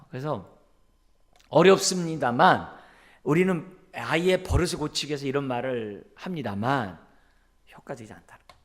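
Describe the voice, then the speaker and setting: A middle-aged man, the pastor, preaching a sermon in a church and acting out quoted parents and children. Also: medium pitch. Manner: animated, acts out quoted parents and son; calls himself quick-tempered.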